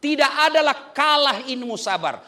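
A man preaching a humorous sermon on marriage. His voice sits high and swoops widely as he jokes with the congregation. The tone is bright and sharp. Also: normal speed. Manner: joking, lively delivery with playful asides to the congregation.

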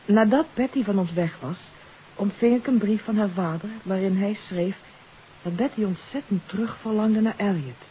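Actress as troubled countess on hissy old radio. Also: female voice, medium pitch, moderate pace, close to an everyday voice. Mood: regretful, reflective. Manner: earnest, hesitant, sighing confession. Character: troubled countess confessing her part in a kidnapping. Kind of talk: 1950s radio mystery acting. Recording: hissy, dull 1950s radio recording.

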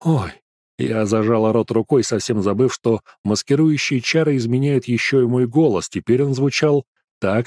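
A man reading a first-person fantasy novel aloud in a steady, even narration. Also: mid-range voice, no room sound. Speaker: audiobook narrator.

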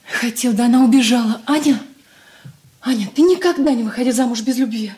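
An actress playing a romantic young girl talking in hushed, secretive tones in a radio drama. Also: fairly high pitch, fairly quick, natural voice. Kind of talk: 1980s radio drama acting.

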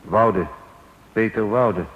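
A furtive, greedy informer in a radio play, low-voiced and halting. He sounds as if in a long, reverberant hall, on a dull old recording. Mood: furtive, hesitant. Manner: hesitant, halting. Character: furtive, greedy male informer betraying people for reward. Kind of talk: radio drama acting.

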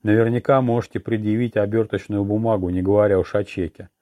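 A blunt, sarcastic police commissar in his middle years, as a male audiobook narrator puts him on. The voice sits low with a mellow, dark color. It is recorded dry and close, with no room sound. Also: fairly even intonation, quick pace, no echo, lightly acted. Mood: gruff.

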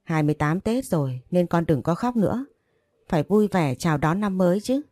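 A woman's voice: lowish voice, animated, fairly quick, dark tone, no echo, studio quality. A woman voicing an irritable old patriarch who scolds and commands his household, in a storybook reading. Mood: stern.

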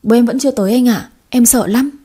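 A woman voicing an anxious young daughter, pleading in a higher voice. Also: quick pace, dark tone, breathy edge. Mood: frightened.

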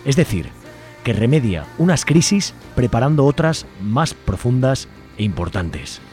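A man's voice: medium pitch, very animated, unhurried, darkish tone. A man with an accent from Spain reading a scripted editorial as a radio presenter. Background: music under the voice.

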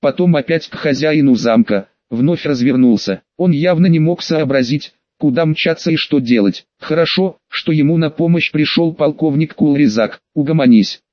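Male audiobook narrator, slightly high. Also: normal speed, few pauses, dry recording, dull audio. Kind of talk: scripted fantasy narration.

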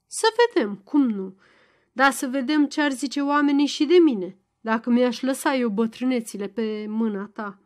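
A woman voicing a stubborn, crafty old peasant father-in-law who speaks in a loud, gruff, mocking way. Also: a little high, natural voice. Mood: mocking, firm.

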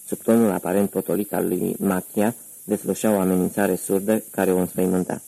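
A man narrating a crime novel audiobook in a measured, even reading. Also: low-pitched, vocal fry, no room sound, rough recording.

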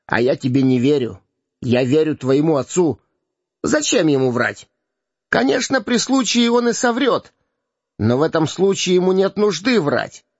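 A man's voice: high voice, breathy edge, dry recording, pitched above the performer's own voice, exaggerated voice. A man voicing a sly, bossy beggar boy who wheedles and bullies by turns. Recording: dull, dry lo-fi recording.

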